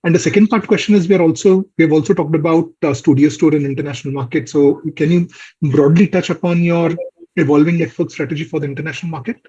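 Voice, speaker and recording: A man speaking as a financial analyst, haltingly asking questions on an earnings conference call. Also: on the high side, fairly even intonation, mellow, husky, lo-fi sound.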